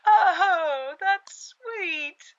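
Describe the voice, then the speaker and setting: Woman playing a high, plucky, awkward young woman. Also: expressive, muffled recording, full character voice. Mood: reassuring. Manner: flustered, halting, downplaying. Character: plucky, self-effacing young woman scavenger, awkward and upbeat. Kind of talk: naturalistic conversational cartoon spoof dialogue.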